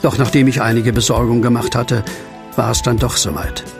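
An actor playing a troubled, grieving widower in a horror radio play, brooding and heavy-hearted. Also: male voice, medium pitch, steady tone, brisk, creaky, music in the background, lightly acted. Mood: somber narrating. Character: troubled, grieving widower just released from asylum. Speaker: lead actor and first-person narrator. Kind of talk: German horror audio drama acting.

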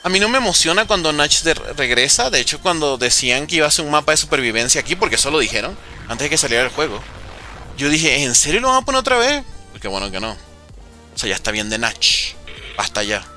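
A man's voice: medium pitch, animated, fast talker, sharp tone. A young Venezuelan man with a Venezuelan accent, chatting casually and joking with viewers while streaming a zombie game. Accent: Venezuelan Spanish. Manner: chatty, joking, reads and answers viewer chat. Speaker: gaming streamer. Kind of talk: casual live commentary while playing. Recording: game music underneath.

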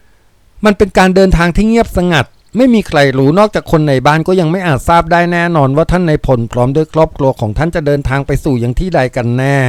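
A male narrator reads a novel aloud in a brisk, even storytelling way. His voice sits a little high for a man, and the recording is dry and close. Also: no room sound. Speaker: audiobook narrator.

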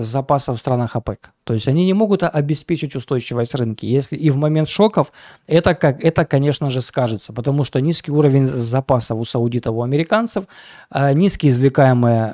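Man with a mellow voice giving market commentary. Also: mid-range voice, dry recording, studio quality. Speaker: market analyst host of a weekly financial forecast.

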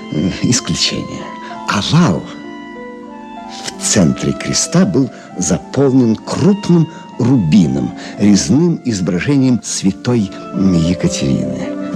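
Erudite, very animated male jewellery expert. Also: lowish voice. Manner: pedantic, expressive, lecturing. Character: Pyotr Petrovich, erudite male jewellery expert, lecturing with relish. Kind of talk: Soviet-era radio drama monologue.

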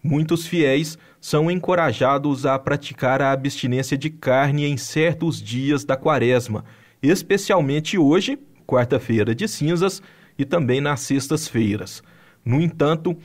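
A man with a Brazilian Portuguese accent reading a scripted news voice-over in an even, measured way. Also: mid-range voice. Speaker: news narrator.

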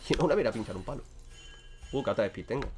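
Excitable Spanish gamer with lively pitch. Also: male voice, fast, soft background music. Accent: Spain Spanish. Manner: excitable, swears freely, talks to himself and viewers. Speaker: gaming streamer. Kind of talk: live gameplay commentary.

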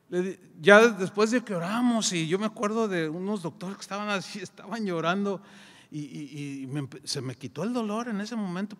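A man with a Mexican accent preaching a sermon, telling a story with lively acted-out dialogue. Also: sits high. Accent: Mexican Spanish. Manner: animated storyteller, acts out dialogue. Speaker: pastor. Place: church sanctuary. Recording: long church hall reverb.

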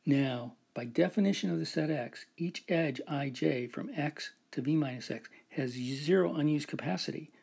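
Husky man explaining a math proof. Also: a little high, moderate pace, few pauses, a little mellow. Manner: explains step by step, often adds "right?" and "so". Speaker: lecturer. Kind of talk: recorded whiteboard math lecture.

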